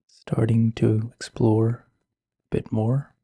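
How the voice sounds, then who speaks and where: A man speaking slowly and gently with long pauses, guiding a meditation in a soft, breathy voice. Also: medium pitch, monotone, dry recording. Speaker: meditation guide. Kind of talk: guided meditation.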